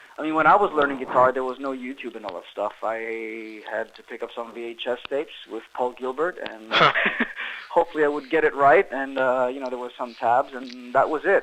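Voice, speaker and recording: A man at a medium pitch with ordinary pitch variation, a fairly quick pace and big swings in loudness, over noticeable background noise. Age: 30s. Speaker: rock guitarist. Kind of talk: phone interview.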